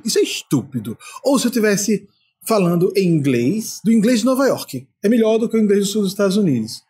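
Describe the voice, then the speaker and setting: A man's voice: high-pitched, a little mellow, breathy edge. An older man from Brazil, a spiritual leader giving an emphatic talk full of rhetorical questions.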